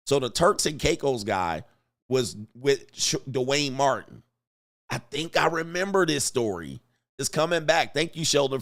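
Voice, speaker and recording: A middle-aged Southern California man hosts a casual livestream, reading out viewer super chats and adding laughing, mocking asides. His mid-range voice has some vocal fry.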